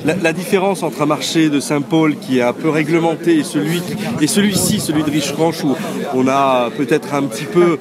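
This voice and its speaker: A man's voice: on the high side, brisk, a loud crowd. A man interviewing at a market, asking polite questions with hesitations. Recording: loud music behind.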